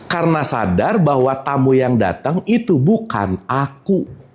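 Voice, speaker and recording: A religious teacher gives a relaxed spiritual lesson to a live audience. His voice swings widely up and down as he keeps tossing questions at them. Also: medium pitch, a little slow. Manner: lively, keeps quizzing the audience.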